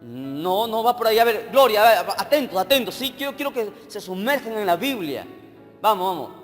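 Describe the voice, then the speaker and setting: High-voiced man preaching in an echoing hall. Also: very animated, normal speed. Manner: questions the congregation directly, checking they follow. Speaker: evangelist preacher. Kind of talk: sermon. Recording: long hall reverb with faint music.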